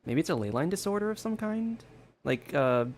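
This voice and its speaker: A woman streamer giving casual live commentary on a game, reacting expressively and haltingly as she thinks aloud. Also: sits low, big pitch swings, darkish tone, a little hiss or hum. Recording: game music behind the voice.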